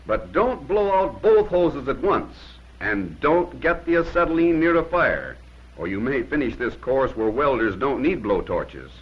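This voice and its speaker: A man narrates in the style of a 1950s instructional film. His voice swings widely in pitch and has a husky edge. He gives short, plain-spoken instructions with firm emphasis, captured on an old film soundtrack. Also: very animated, unhurried, rough recording.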